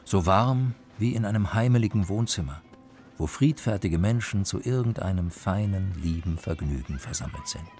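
Low calm guy reading lit aloud, music clearly behind. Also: moderate pace. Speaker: reader. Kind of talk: literary reading on a radio feature.

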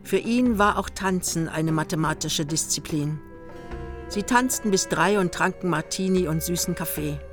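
An actress narrating a literary radio play in the third person as a storyteller. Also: female voice, on the low side, moderate pace, natural voice. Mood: measured storytelling. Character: female narrator of a young couple's holiday tale. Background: music.

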